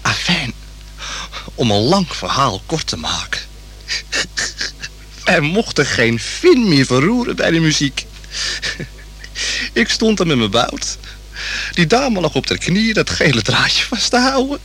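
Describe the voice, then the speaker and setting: Casting: Dutch workman telling his tale, radio play, husky, animated, colloquial. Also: fairly high pitch, measured pace, pauses often, exaggerated voice. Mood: amused recounting. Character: working-class repairman recounting his anecdote.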